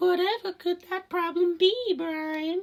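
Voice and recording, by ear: A put-on character voice, squeaky and extremely high-pitched, at a fairly slow pace.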